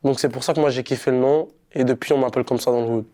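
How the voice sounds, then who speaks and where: A young man from Montreal, a rapper, talking casually in a relaxed, slangy street manner during an interview. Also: mid-range voice, racing. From Montreal, Canada. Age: young adult. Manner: laid-back, slangy street talk.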